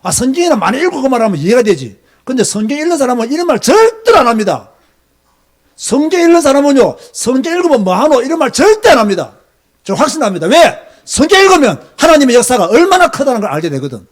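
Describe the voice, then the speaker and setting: A middle-aged pastor with a Gyeongsang Korean accent preaches a sermon lecture in a very high, sing-song voice, speaking fast. He scolds emphatically and fires off rhetorical questions.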